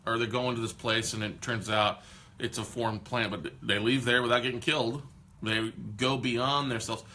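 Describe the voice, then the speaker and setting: A man hosting a casual live stream, talking in an energetic, motivational way with a loud voice. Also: mid-range voice, normal speed, slight background noise. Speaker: host.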